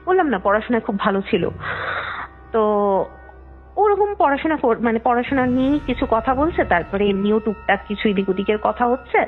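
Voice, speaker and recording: A woman's voice: a little high, lively intonation, fairly quick. A young woman caller telling a story in a chatty, rambling way, often trailing off mid-sentence. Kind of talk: casual storytelling on a call. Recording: tinny phone line with faint music.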